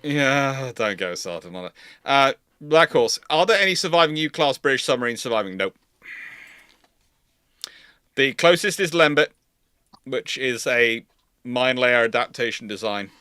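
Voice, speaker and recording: Bright-voiced man rambling through live chat, close-miked. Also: mid-range voice, lively intonation, a little slow, long pauses, smooth, no room sound. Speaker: host of a live naval history Q&A. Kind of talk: casual live chat answering audience questions.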